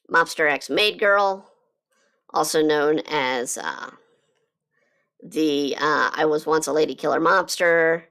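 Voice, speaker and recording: Hoarse woman rambling on her art stream, low voice, lots of fry. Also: fairly bright tone. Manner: rambling, many fillers and restarts. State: slightly hoarse from being sick. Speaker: artist streaming live. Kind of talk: casual chat while drawing.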